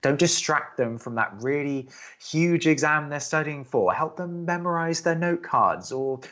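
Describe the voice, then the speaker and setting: A young college radio advice host in an audio drama. He is earnest and easily exasperated, with emphatic, very varied intonation. The audio is a little muffled. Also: on the high side. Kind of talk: bantering audio drama dialogue.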